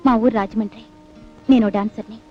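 A woman voices an indignant young dancer who argues in fervent, rhetorical phrases. Her voice sits high and moves fast. It sounds like a dull, lo-fi film soundtrack with music underneath. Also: steady tone, close to an everyday voice. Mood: pleading. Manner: impassioned, rhetorical. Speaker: dancer held by police.

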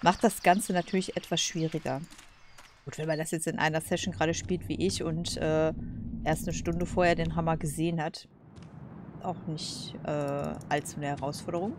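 A woman's voice: deep voice, steady tone, normal speed, noisy background. A woman doing casual let's play commentary, colloquial and hesitant as she thinks aloud.

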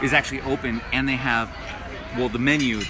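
A man's voice: mid-range voice, steady tone, fairly quick, over a noisy crowd. A man in his thirties with an American accent, chatting casually to a camera as he vlogs. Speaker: vlogger. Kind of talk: casual vlog chat. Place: car, waterfront and streets outdoors. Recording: music behind the voice.

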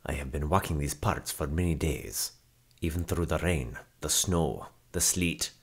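Man voicing a very deep, stoic ranger. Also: breathy edge, exaggerated voice. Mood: grave, wry. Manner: grave, measured, terse. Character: stoic, weathered male forest ranger, wry trader. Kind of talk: character voice demo.

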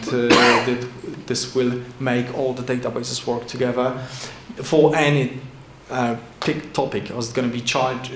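A man's voice: mid-range voice, slight background noise. Man presenting in an echoey hall. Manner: halting non-native English with many fillers and restarts. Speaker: conference presenter. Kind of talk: conference talk with slides. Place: large indoor conference hall. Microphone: lectern microphone at a podium. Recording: echoey hall with faint ambience.

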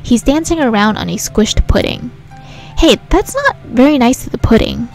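A woman's voice: high voice, big pitch swings, moderate pace, darkish tone, poor audio. A woman hosting a let's play, reading a visual novel aloud and adding casual commentary. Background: game music.

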